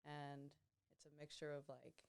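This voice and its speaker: Low-voiced Southern California Latina woman. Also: flat delivery, normal speed, gravelly, darkish tone, clean tone. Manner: laid-back, laughs often, slangy. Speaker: podcast guest. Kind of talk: casual podcast chat.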